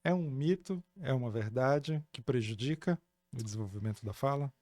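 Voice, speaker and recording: A man with a Brazilian Portuguese accent, co-hosting a podcast, easygoing and asking questions with quick affirmations. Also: medium pitch, dark tone, dry recording, clean studio sound. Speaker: co-host and podcast producer. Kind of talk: casual podcast conversation.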